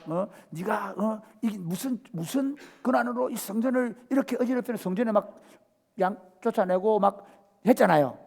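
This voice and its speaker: A male pastor preaching an animated sermon, acting out voices and swinging from hushed tones to shouts. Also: high-pitched, vocal fry. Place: church sanctuary. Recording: church hall reverb.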